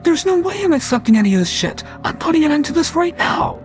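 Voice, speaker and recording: A man's voice: very high-pitched, sing-song, quick pace, faint music behind, heavily acted. A synthetic voice playing an angry man who swears, turns hostile, and cuts others off. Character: furious laid-back man turned armed, confrontational.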